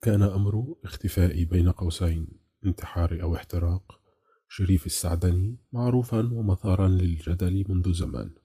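A man narrating an audiobook novel in a measured, steady reading. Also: deep voice, husky. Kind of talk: scripted narration.

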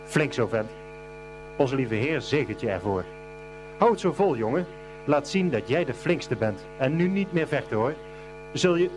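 An actor playing a kindly, pious Catholic brother and headmaster in a radio play, patient and preachy. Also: male voice, mid-range voice, lively intonation, moderate pace, pauses often, background noise, lightly acted. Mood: kindly encouraging.

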